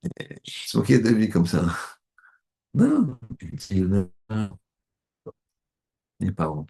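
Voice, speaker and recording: A middle-aged man, a rabbi, giving an animated sermon and acting out little scenes in other voices. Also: fairly low pitch, takes it slowly, creaky, slightly rough.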